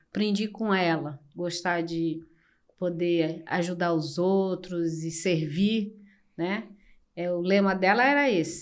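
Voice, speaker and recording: Slow-speaking older Brazilian woman. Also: fairly low pitch. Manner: slow, reflective, with frequent pauses and fillers. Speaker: guest. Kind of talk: personal storytelling in an interview.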